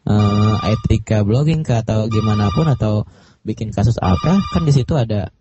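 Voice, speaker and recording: A man co-hosting internet radio, explaining casually and a bit haltingly, on a noisy lo-fi broadcast. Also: lowish voice, music in the background. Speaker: radio co-host. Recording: dull, lo-fi streaming radio with loud noise.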